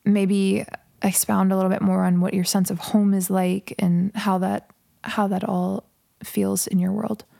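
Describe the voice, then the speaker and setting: A woman's voice: medium pitch, little pitch movement, measured pace, gravelly, hardly any pauses, mellow, no room sound. A woman hosting a casual interview, upbeat and affirming, asking questions with lots of encouraging murmurs. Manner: enthusiastic, affirming, frequent "mm". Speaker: podcast host.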